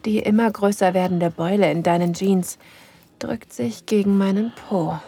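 A woman voicing a young, eager lover in an intimate audio drama, narrating in breathy whispers. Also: mid-range voice, moderate pace, dark tone. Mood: aroused.

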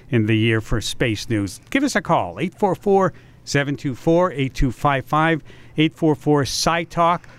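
A man hosting a public radio science talk show, speaking in an animated, lively way. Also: fairly high pitch.

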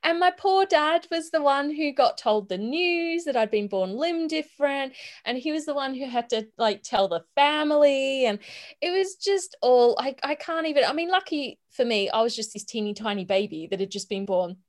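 A woman's voice: high voice, lively intonation, moderate pace. Australian woman in her forties, chatty. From Sydney, Australia. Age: 40s. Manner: chatty, laughs often, many restarts. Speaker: guest. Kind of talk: conversational interview.

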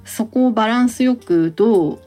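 A woman's voice: on the high side, normal speed, mellow, faint music behind. A woman co-hosting a podcast in casual, conversational chat, readily agreeing as she talks. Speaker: podcast co-host.

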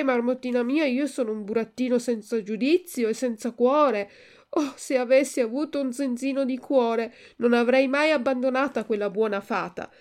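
A woman's voice: on the high side, darkish tone, voice pushed up, close to an everyday voice. A woman voicing a frightened wooden puppet boy in a storybook reading, pleading and wailing. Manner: wailing, pleading, rising to cries.

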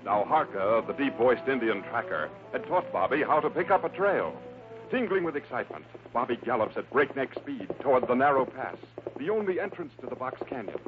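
Over background music, a man with a mid-range voice narrates a 1950s radio adventure serial in a very animated, fairly quick manner. His scripted delivery is suspenseful and theatrical, and the old radio recording sounds noisy and tinny.

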